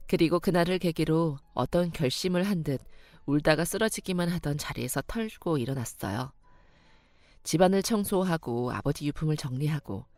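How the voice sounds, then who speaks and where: A woman narrating a scripted story in a calm, even way. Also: low-pitched, dry recording.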